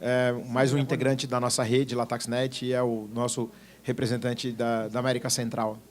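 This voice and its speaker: A man's voice: medium pitch, level tone, moderate pace, slight background noise. Man moderating a conference panel. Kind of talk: introducing a speaker.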